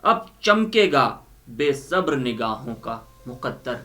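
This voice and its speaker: A man's voice: medium pitch, big pitch swings, sharp tone. A man giving a dramatic, emphatic poetry recitation and explanation, repeating lines for effect. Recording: music under the voice. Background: music.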